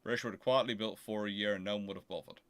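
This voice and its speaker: A man hosting an informal question-and-answer show, explaining things in a halting, self-correcting way. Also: fairly low pitch, steady tone, fairly bright tone, clear, resonant tone, no echo. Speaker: host of a naval history Q&A show.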